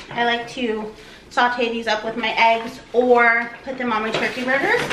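Loud background noise fills the clip as the words come at a rather slow pace. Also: woman. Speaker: vlogger. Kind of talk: casual vlog chat. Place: kitchen. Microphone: camera far.

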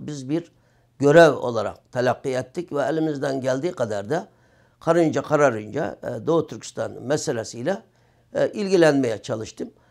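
The man's voice is fairly high in pitch. He keeps a moderate pace with ordinary pitch variation. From East Turkestan (Yarkand), raised in Kayseri, Turkey from age 15. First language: Uyghur (speaking Turkish). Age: 60s. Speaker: community activist, foundation leader. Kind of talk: interview. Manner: hesitant, many filler sounds.

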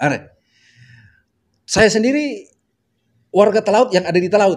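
A man speaks at a moderate pace. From North Sulawesi. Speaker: video channel host interviewing migrants. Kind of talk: casual interview chat. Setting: restaurant. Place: home room. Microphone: lapel.

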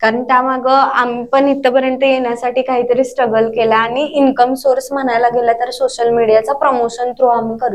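A woman's high-pitched voice in a Kolhapur accent, with monotone, flat intonation. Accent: Kolhapuri Marathi dialect. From Kolhapur, Maharashtra. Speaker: social media influencer. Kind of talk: interview. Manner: blunt, rustic speech.

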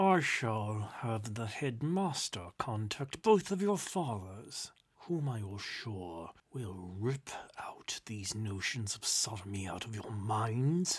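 A man performs a put-on character voice at a very slow pace. The recording is very clean, with a silent background. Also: medium pitch for a man, lively intonation. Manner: stern, menacing.

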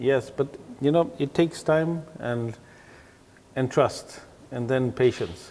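A man talks at a fairly slow pace in a dark, mellow tone. His pitch varies in an ordinary way, with light background noise behind him. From Portugal. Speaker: port master blender; wine maker at a launch panel. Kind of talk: casual chat. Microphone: lapel.

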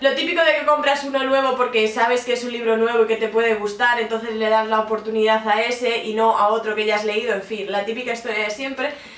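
A woman's very fast, nearly pause-free delivery in a Spanish accent, fairly high in pitch with fairly even intonation, plus audible room echo. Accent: Spanish from Spain. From Castilla-La Mancha, Spain. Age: 20s. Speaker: book youtuber, journalist. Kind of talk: casual talk to camera. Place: home room.

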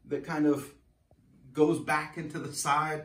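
Fairly slow speech with audible room echo. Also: man. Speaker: home coffee reviewer. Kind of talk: casual tasting commentary. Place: kitchen. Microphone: camera far.

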